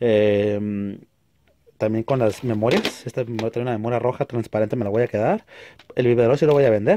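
A man with a Mexican accent talks at a fairly quick pace. The sound is dry with no echo, over light background noise. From Mexico. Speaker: YouTuber and video game collector; YouTuber. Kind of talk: casual vlog monologue; casual vlog chat. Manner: animated. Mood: relaxed, joking, profane. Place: home room. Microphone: phone near.

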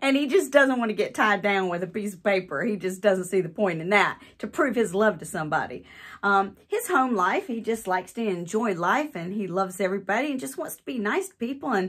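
A woman speaking at a fairly quick pace with lively intonation over a quiet background. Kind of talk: casual vlog chat. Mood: cheerful, playful.

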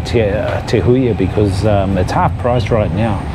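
A man talks at a moderate pace. Noticeable background noise sits under his voice. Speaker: travel vlogger. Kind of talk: casual vlog chat. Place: train. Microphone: phone near.

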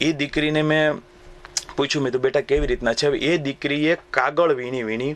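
The man's fairly high voice sounds dry and close with no echo, though noticeable background noise is present. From Gujarat, Amreli district village. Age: 30s. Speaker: charitable trust founder. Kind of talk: interview. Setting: studio.

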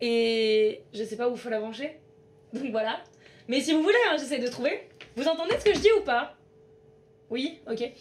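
A woman talks at a fairly slow pace with long, frequent pauses and light background noise behind her. Her voice is high-pitched, with lively intonation. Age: 20s. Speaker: streamer. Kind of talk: live stream chat. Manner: animated. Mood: playful, a bit shy. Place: home room. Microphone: studio mic.

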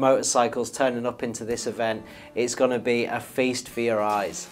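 Faint music plays in the background. The speech is at a moderate pace with monotone, flat intonation. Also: man. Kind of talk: promotional piece to camera. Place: studio.

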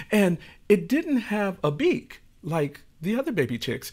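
With an American accent, a man speaks at a very slow pace using very wide pitch swings against a quiet background. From United States. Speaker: storyteller. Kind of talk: children's folk story telling. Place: home room.

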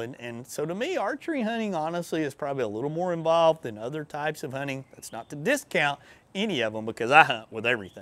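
A man talks at a fairly quick pace with a bright, sharp tone in a dry sound with no echo. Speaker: hunting TV host. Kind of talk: interview answer. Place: open country. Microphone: lapel.

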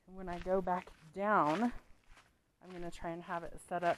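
Noticeable background noise runs under a dry sound with no echo. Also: woman. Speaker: paranormal investigator vlogger. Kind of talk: casual vlog chat.

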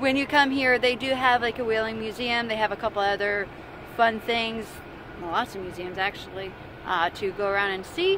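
A woman speaks with ordinary pitch variation in a dry, echo-free recording that has noticeable background noise. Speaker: travel vlogger. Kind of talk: casual vlog chat. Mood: cheerful, playful. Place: waterside. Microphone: phone near.

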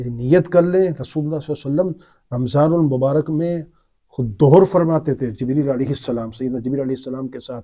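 A man speaks at a fairly slow pace in a dark, mellow tone, his pitch fairly high with ordinary variation. His loudness swings a lot, and the background is quiet. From Pakistan. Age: 40s. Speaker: imam. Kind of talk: interview. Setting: mosque. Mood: calm, earnest. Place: church. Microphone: lapel.

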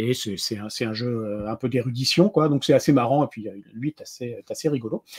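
A somewhat breathy voice with big swings in loudness over a quiet background. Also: man, ordinary pitch variation, moderate pace. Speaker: tabletop RPG streamer. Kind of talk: casual live-stream chat. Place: home room. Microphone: headset.

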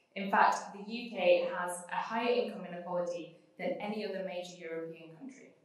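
A woman with a medium pitch speaks at a fairly quick pace with hardly any pauses. Her intonation is fairly even, and strong room echo fills the recording. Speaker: policy researcher. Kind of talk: presentation. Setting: stage with audience. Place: hall.

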